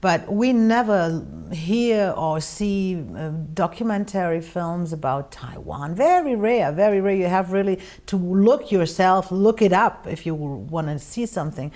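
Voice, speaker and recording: A woman's voice: on the low side, lively intonation, measured pace, hardly any pauses, mellow. Woman asking frank questions. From Germany. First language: German. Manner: inquisitive, frank, emphatic. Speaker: interviewer. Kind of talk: interview conversation.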